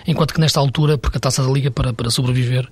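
Casting: man, husky voice, dry close sound, hesitant pundit on a panel. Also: mid-range voice, fairly even intonation, rapid-fire, no echo. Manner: hesitant, many restarts, argumentative. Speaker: football pundit. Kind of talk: studio panel discussion.

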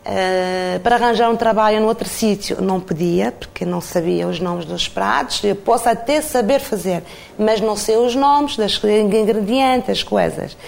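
Gravelly woman. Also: medium pitch, darkish tone. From Morocco. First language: not Portuguese. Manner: simple phrasing with pauses and restarts. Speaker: restaurant cook. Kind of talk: interview testimony.

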